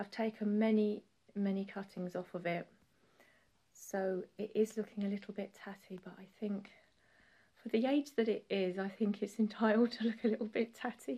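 Somewhat breathy and relaxed in tone, a woman talks at a moderate pace and a medium pitch with fairly even intonation. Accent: British. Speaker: home vlogger. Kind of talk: casual vlog tour, talking to camera. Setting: at home, indoors. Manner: chatty, relaxed, with hesitations.

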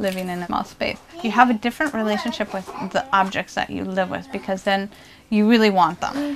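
Over noticeable background noise, a woman's words come at a fairly quick pace. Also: medium pitch for a woman, ordinary pitch variation. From Argentina. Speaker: single mother and student. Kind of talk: casual home tour interview. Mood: enthusiastic, relaxed. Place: garden. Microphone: lapel.

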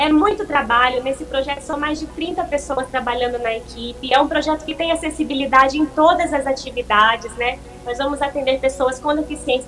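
With light background noise, a woman talks at a moderate pace, her high pitch showing ordinary variation. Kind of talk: interview answer. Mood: enthusiastic, warm. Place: home room. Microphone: video call.

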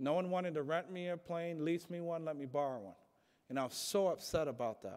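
Against a quiet background, a man speaks at a fairly quick pace with fairly high pitch and ordinary pitch variation. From Miami, Florida (born in Jamaica). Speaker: aviator and educator. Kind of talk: motivational talk. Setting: stage with audience. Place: hall. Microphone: podium.

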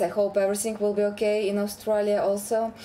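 There is light background noise behind this speaker. A woman with a Ukrainian accent talks at a moderate pace. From Ukraine. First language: Ukrainian or Russian. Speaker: crochet designer and teacher. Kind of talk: live-streamed crochet tutorial. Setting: live stream with chat. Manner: hesitant, many fillers. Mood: warm, friendly. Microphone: webcam.

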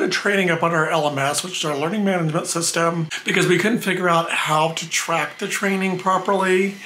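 A man with a high pitch talks at a fairly quick pace, using ordinary pitch variation, while noticeable background noise carries on. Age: 40s. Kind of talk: casual vlog talk to camera.

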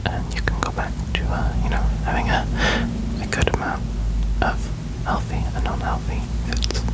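This is a man speaking. Loud background noise runs through the clip. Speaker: presenter. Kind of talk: soft role-play skincare talk to viewer. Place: home room. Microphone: earbuds.

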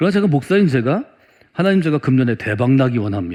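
His pitch swings very widely. The man's tone is dark and mellow. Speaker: pastor. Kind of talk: sermon. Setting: church.

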